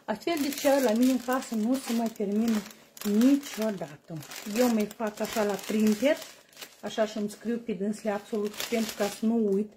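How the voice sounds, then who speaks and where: A woman's voice: on the high side, fairly even intonation, warm tone, a little hiss or hum. A woman hosting a home cooking channel, chatting casually as she shows a herbal tea, often asking herself questions aloud and answering them. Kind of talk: casual kitchen demonstration.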